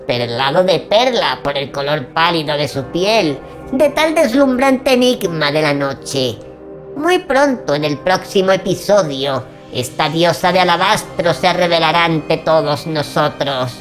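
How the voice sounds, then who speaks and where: A woman's voice: low-pitched, animated, unhurried, soft background music. A woman voicing a creepy, grumpy old male horror host who speaks in grandiloquent, theatrical phrases to listeners. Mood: enraptured. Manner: grandiloquent, mock-grumbling, addressing listeners as creatures. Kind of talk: theatrical horror anthology hosting.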